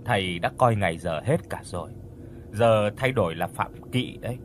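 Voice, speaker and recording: A man's voice: fairly low pitch, moderate pace, a little hiss or hum, lightly acted. A man voicing a weary, worried middle-aged mother who sighs and frets in a spoken ghost story. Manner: worried sighing.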